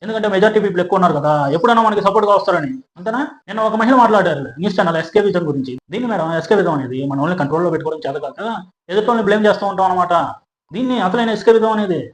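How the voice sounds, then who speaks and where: A man's voice: high-pitched, rapid-fire. A man giving a sarcastic opinion commentary, firing off rhetorical questions. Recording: roomy echo.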